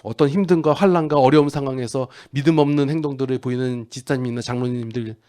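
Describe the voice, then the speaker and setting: A middle-aged male pastor giving a conversational sermon, acting out quoted lines and building to loud, emphatic peaks. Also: mid-range voice, steady tone, fast.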